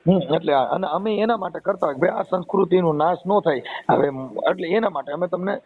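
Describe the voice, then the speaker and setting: A man's voice: sits high, a little fast, husky. A man with a Kathiawadi Gujarati accent explaining things in a conciliatory way in an informal phone conversation. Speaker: host taking calls for a recorded-call channel. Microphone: phone line. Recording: muffled lo-fi phone call.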